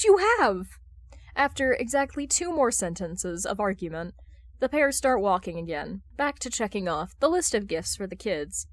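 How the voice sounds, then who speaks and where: A woman's voice: medium pitch, dry recording, clean studio sound. A woman reading scripted fan fiction narration as an audiobook narrator.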